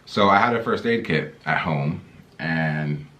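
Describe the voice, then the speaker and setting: A young man from the Dominican Republic chatting casually with his girlfriend on their vlog, easygoing and quick to laugh. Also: rumbling low. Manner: easygoing, laughs a lot, lively intonation. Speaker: vlogger's boyfriend. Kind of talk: casual couple chat.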